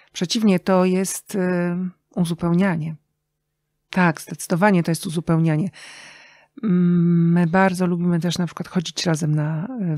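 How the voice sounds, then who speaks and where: Low-pitched middle-aged woman, very dry sound. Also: darkish tone, no room sound. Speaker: interview guest, radio journalist and writer. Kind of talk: conversational interview, anecdotal storytelling.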